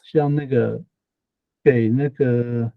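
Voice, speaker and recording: A man's voice: medium pitch, steady tone, slow pace, vocal fry, dry recording, phone-quality sound. A man teaching an online language class, explaining patiently, repeating phrases and ending sentences with tag particles.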